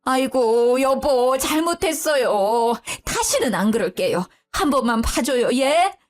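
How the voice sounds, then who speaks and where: A woman voicing a sharp-tongued older mother-in-law who speaks in a high, nagging tone. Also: expressive, a little slow, soft background music. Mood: wailing plea. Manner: shrill, nagging, wailing when begging.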